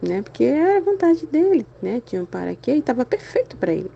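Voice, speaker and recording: An adult woman giving a casual spiritual talk for a Catholic channel, chatty and animated, sprinkling "né?" through her speech while feeling unwell and weary. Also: high voice, fast talker, creaky, highs cut off, slight background noise. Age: adult with a school-age son and husband. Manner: chatty, constant "né?" tags, animated exclamations.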